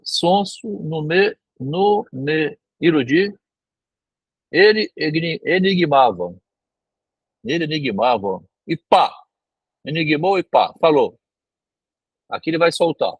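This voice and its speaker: Husky Brazilian man lecturing. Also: a little high, no room sound, poor audio. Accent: Brazilian Portuguese. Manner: rereads phrases and paraphrases them, often tagging "né?". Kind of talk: reading a literary text aloud and explaining it.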